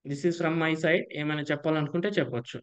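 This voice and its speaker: Male coaching teacher, fairly high voice, dull lo-fi class audio, explanatory. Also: brisk, clear, resonant tone. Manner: explanatory, mixes English terms, checks in with students. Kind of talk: online exam-prep lecture.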